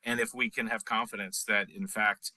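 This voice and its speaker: A male financial analyst puts questions on an earnings call. His voice is very bright and sharp, in a dry acoustic. His phrasing is halting, with small stammered restarts. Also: lowish voice, flat delivery, dry recording.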